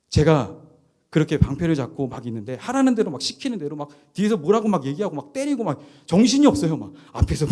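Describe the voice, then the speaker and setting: A middle-aged man, a pastor, preaching by telling a personal story with lively, chuckling delivery. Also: on the high side.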